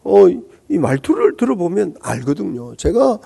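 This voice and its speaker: A middle-aged man with a Gyeongsang accent preaches a sermon in a somewhat high, gravelly voice. His tone is mellow and dark, but his pitch swings widely as he explains the text. He asks the congregation rhetorical questions and stops on frequent hesitant fillers. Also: sing-song, normal speed. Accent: Gyeongsang Korean. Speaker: pastor.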